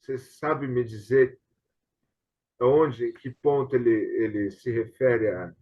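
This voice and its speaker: Man, Brazilian accent, muffled lo-fi call audio, conversational host, explanatory, seeks agreement, mid-pitched. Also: takes it slowly, a little mellow, slightly rough. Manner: explanatory, often seeking agreement with tag questions. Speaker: host and theatre director. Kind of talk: casual online discussion. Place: at home, on a video call. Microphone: video call. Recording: dull, lo-fi video-call audio.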